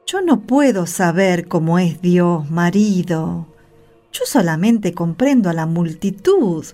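A woman's voice: lowish voice, animated, slow pace, dark tone, soft background music. A woman playing a timid, compassionate wife cowed by her Pharisee husband in a radio play, meek and pleading.

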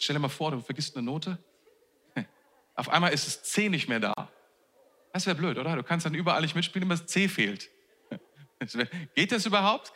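A man's voice: on the high side, sharp tone. A man preaching a sermon as a pastor, in a chatty, joking way that often repeats words. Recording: long reverb of a large hall.

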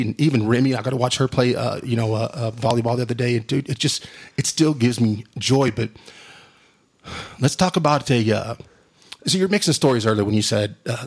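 Telling stories in a relaxed chat, this middle-aged man speaks with a drawl, his booming voice husky and medium-pitched for a man. Lively and quick to laugh, he drops "dude" constantly.

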